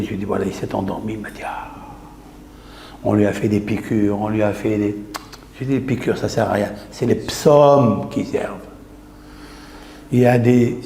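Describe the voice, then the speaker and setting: A man, a rabbi, recounting a story in an animated teaching style, mixing in Hebrew terms. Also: fairly low pitch. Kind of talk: storytelling Torah lesson. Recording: echoey room with faint noise.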